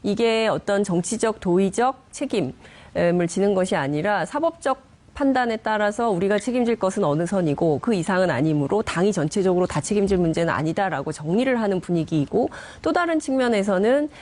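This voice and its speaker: A woman's voice: medium pitch, animated, a little fast, darkish tone. Explanatory female reporter with a mid-range voice. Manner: conversational, explanatory, long linked sentences. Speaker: reporter on a panel. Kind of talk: explanatory political commentary.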